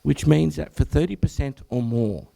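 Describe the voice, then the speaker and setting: An Australian man, a general practitioner, presenting to health professionals at an information session, with a croaky, hoarse voice; he clears his throat often and breaks off to restart phrases. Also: on the high side, moderate pace, dark tone. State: hoarse, croaky from much talking.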